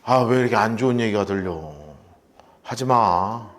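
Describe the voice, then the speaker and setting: A male pastor voicing a frail old priest who mildly scolds his grown sons, speaking low, soft and weary. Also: a little slow, echoey room. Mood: feeble scolding. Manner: mild, half-hearted rebuke.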